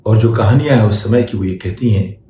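Low, mellow male commentator in echoey room. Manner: deliberate, measured, asks rhetorical questions. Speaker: journalist and show host giving opinion. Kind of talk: spoken opinion commentary on current affairs. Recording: echoey room, faint background noise.

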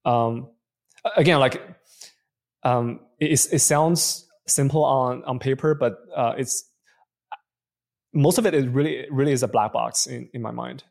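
A man's voice: mid-range voice, unhurried, creaky, pauses often, darkish tone. A man from Canada whose first language is Chinese, answering interview questions thoughtfully as a venture investor guest. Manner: thoughtful, frequent fillers and restarts.

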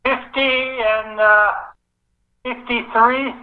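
A man's voice: very high-pitched, steady tone, extremely slow. A man in his eighties on a phone interview, speaking short, hesitant answers into a speakerphone held away from his mouth. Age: 80s. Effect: speakerphone held away from the mouth, faint and distant. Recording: muffled speakerphone line.

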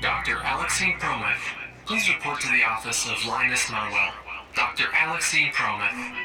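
A man's voice: mid-range voice, expressive, moderate pace. A man playing a corporate announcer speaking formally over a facility intercom in an audio drama. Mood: announcing. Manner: formal, level announcement delivery. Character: male corporate public-address announcer, impersonal. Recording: echoey distant intercom with loud music.

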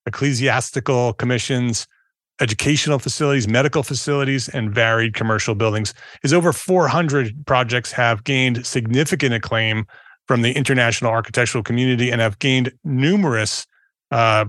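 A man's voice: mid-range voice, fairly bright tone, dry recording, studio quality. A man hosting an architecture podcast, introducing his guest and asking questions in a friendly, conversational way. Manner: upbeat promo read, then conversational. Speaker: podcast host.

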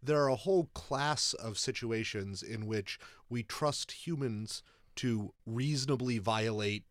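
Man hosting a panel, thoughtful and measured, dry close-miked sound, mid pitch. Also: dry recording. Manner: thoughtful, steers the discussion. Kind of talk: conversational panel discussion.

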